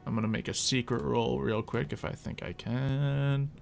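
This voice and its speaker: A man's voice: mid-range voice, steady tone, moderate pace, creaky. A man casually narrating an online tabletop roleplay game as game master, in an informal storytelling way. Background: music.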